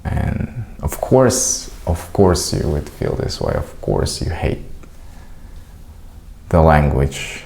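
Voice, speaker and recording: Vlogger, young man, very low gravelly voice, unhurried, hesitant and reflective. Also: huge pitch swings, dark tone, slight background noise, rough recording. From Crimea, Ukraine. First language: Russian. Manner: hesitant, searching for words. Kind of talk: reflective personal monologue.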